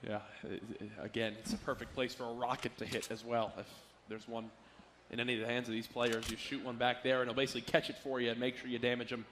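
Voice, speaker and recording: A man's voice: medium pitch, a bit bright. A man working as an esports caster, giving live commentary on a battle royale game and explaining tactics to viewers. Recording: noisy live event with game gunfire.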